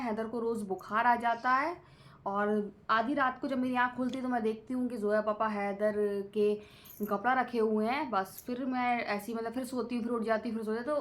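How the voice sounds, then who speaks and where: Chatty woman rambling through a home vlog. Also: a little high. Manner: chatty, rambling with many fillers. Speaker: vlogger. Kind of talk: casual family vlog talk.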